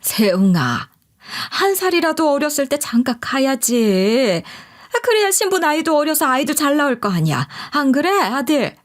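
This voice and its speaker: A woman's voice: high voice, sing-song, moderate pace, voice pushed up. A woman narrator voicing a pushy older mother who insistently nags her grown son with pointed questions. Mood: coaxing. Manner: scolding, insistent, rhetorical questions.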